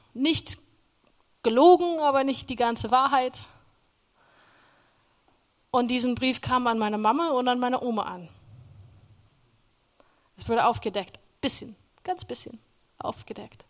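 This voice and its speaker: High-voiced woman giving a faith testimony. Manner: earnest, storytelling, acts out her own past words; grows loud and emphatic in emotional passages.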